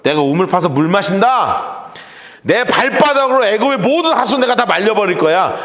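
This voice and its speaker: A man's voice: high-pitched, big pitch swings, moderate pace, fairly bright tone. A man preaching puts on the brash, bragging voice of an arrogant male Assyrian conqueror. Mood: boasting. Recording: echoey church hall.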